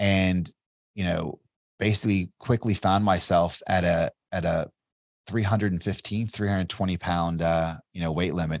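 A man speaks with a very deep, low pitch and fairly even intonation at a moderate pace. The recording is very clean with a silent background and a dry, close sound with no echo. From Kentucky, US. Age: 40s. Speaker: entrepreneur. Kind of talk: interview.

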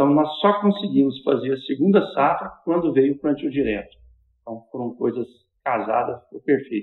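With a Goiás accent, a man talks at a moderate pace in a fairly high pitch, his intonation lively and his loudness swinging widely. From interior of Goiás, Brazil. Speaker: agronomist and farmer. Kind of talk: interview.

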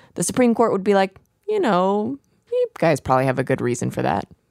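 In a very clean recording with a silent background, a woman speaks at a fairly quick pace. The sound is dry and close, with no echo. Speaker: podcast host and reporter. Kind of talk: narrated radio storytelling with interviews.

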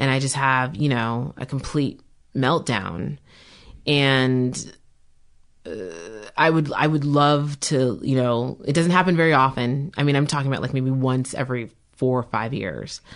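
Speaking with an American accent, a woman talks at a fairly slow pace in a very deep, low pitch against a quiet background. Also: ordinary pitch variation. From San Francisco, California. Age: 30s. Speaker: entertainment industry professional. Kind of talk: casual chat. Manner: halting.

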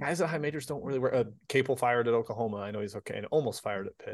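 Against a quiet background, a man speaks at a very fast pace. His voice sits at medium pitch. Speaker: podcast host. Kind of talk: casual sports betting chat. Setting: live show.

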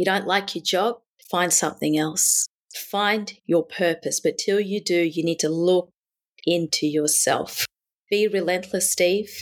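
A woman at medium pitch, fairly slow and fairly even in intonation, with very even loudness, a dry, close sound with no echo, and a very clean recording over a silent background. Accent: Australian. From Australia, Melbourne. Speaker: executive assistant. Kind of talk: interview conversation.

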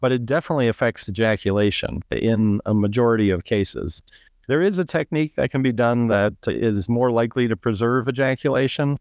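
Over a quiet background, a man with an American accent uses an ordinary speaking voice of medium pitch, with lively intonation at a moderate pace. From Arizona. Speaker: urologist. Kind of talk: interview.

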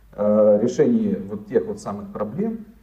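A man at a very slow pace. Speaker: project manager. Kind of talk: casual interview.

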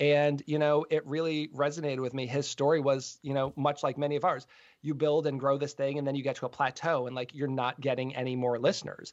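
A man with an American accent speaks at a fairly quick pace. His pitch is fairly high, with monotone, flat intonation. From Massachusetts. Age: 40s. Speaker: chef and podcast host. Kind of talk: casual interview.

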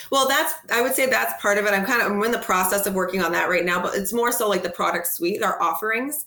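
A woman speaks at a very fast pace. There is noticeable background noise. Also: medium pitch for a woman, ordinary pitch variation, very even loudness. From US Midwest, Iowa. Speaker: startup founder. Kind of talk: live coaching Q&A.

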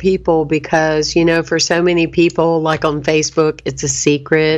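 A woman is speaking at a moderate pace. Her pitch is fairly low. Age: 50s. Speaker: radio show host and minister. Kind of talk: casual interview chat. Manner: animated.

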